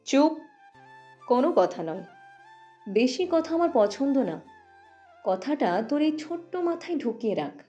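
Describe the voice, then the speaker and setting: A cruel, mocking young female captor, put on by a woman narrator, her high voice swooping from one taunt to the next. The tone is dark and mellow, and there is music under a muffled recording. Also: very animated, normal speed, long pauses. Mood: threatening. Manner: cold, mocking, taunting with sudden sharp jumps. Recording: muffled audio with background music.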